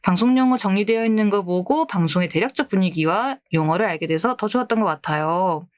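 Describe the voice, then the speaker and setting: A woman's voice: mid-range voice, quick pace, no echo. A woman VTuber who streams about books, chatting casually and politely with a giggly manner as she reads out viewer posts. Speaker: book-themed VTuber streamer. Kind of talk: casual livestream chat, reading viewer posts.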